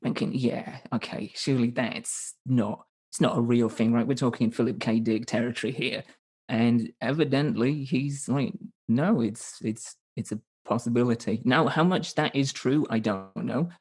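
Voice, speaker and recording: A man's voice: mid-range voice, moderate pace, a little mellow, husky, rough recording. A man in his thirties from Northern England with a Northern English accent, a podcast guest talking in a loose, rambling way with frequent restarts. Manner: rambling, self-correcting, with frequent restarts and hedges. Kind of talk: casual conversational interview.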